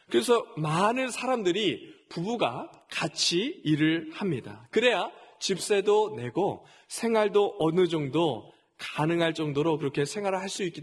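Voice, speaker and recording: A middle-aged male pastor preaching a sermon, telling a personal story and often addressing the congregation directly. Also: high voice.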